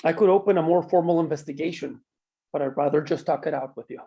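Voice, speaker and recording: Man playing a husky, mellow, persistent mayor. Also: a little high, fast. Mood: probing. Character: calm, persistent small-town mayor pressing for truth. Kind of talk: screenplay table read.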